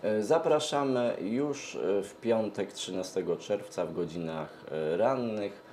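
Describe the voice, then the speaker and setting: A middle-aged man answers interview questions hesitantly, pausing often mid-sentence. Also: fairly low pitch, a little mellow, a little hiss or hum. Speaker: event organizer, interview guest. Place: TV studio, seated at a glass desk. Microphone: lapel mic.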